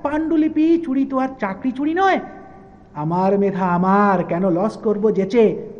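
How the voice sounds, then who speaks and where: A man's voice: high-pitched, measured pace, highs cut off. A man voicing a grumbling old poet. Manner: scolding, complaining. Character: grumbling, weepy elderly male poet in the afterlife.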